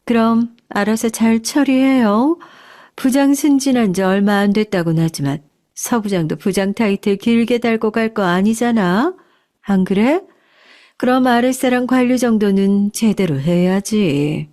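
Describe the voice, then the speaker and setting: A woman voicing a haughty, patronizing executive's wife who speaks slowly. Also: medium pitch, mellow, lightly acted. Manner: slow, patronizing.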